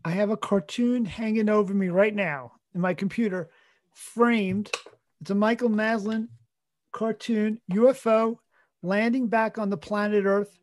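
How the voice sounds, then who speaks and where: A man's voice: sits high, fairly even intonation, a little slow. A man co-hosting a cartoonist podcast in casual chat, earnest and rambling, correcting himself mid-sentence.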